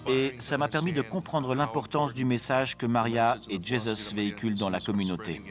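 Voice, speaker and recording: A man's voice: medium pitch, steady tone, moderate pace. A man dubbing a home makeover designer, talking in an earnest, reflective way. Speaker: renovation team designer. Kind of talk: dubbed reality-show voice-over. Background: background music.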